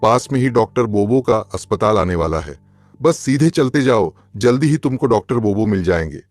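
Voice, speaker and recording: A man's voice: lowish voice, expressive, normal speed, a little mellow. A man voicing a helpful white horse in a cartoon story, speaking in a reassuring, guiding way. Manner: reassuring, instructive. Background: faint music.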